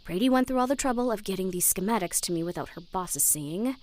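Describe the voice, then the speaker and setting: A woman's voice: mid-range voice, lively intonation, fast talker, darkish tone, lightly acted. An actress playing an intense, sweary, perfectionist young woman and protective older sister in a sci-fi audio drama. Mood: tense, focused muttering. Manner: muttering to herself, self-critical.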